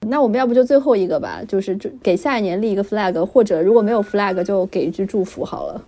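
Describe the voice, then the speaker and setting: A woman hosting a podcast, chatting casually and briskly steering the talk between co-hosts. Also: medium pitch, dark tone. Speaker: podcast host. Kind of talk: casual chat.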